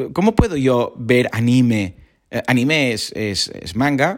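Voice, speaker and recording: On a very clean recording with a silent background, a man speaks at a medium pitch with vocal fry. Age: 40s. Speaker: podcast host. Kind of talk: personal reflection monologue. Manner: casual, hesitant with repetitions.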